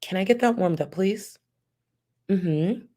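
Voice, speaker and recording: A woman doing a softened, dainty voice as she pretends to order food at a drive-thru speaker. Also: lowish voice, slow pace. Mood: sweetly polite.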